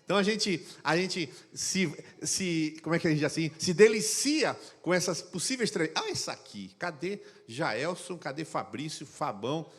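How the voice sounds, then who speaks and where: Animated pastor in a reverberant hall. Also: male voice, a little high, moderate pace, husky. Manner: animated storytelling, acts out quoted voices. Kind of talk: sermon. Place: church auditorium. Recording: long reverb of a large hall.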